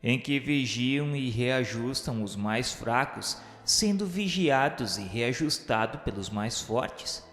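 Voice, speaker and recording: A man with a Brazilian accent reads a scripted radio novela narration in a formal, measured, didactic way. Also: mid-range voice, lively intonation, fairly bright tone. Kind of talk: scripted dramatized narration, solemn literary reading. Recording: echoey hall reverb, music underneath. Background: music.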